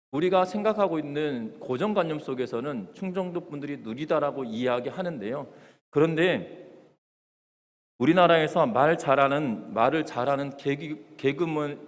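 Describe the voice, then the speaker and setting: Jeolla-accent pastor guy preaching, chatty and easygoing, long church reverb. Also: medium pitch. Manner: conversational with fillers and joking asides. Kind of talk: sermon. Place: church sanctuary.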